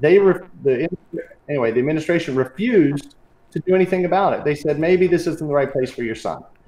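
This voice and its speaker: Over audible room echo, a man with an American accent speaks at a fairly high pitch with ordinary pitch variation. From US South. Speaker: film producer and entrepreneur. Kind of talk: interview. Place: home room. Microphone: webcam.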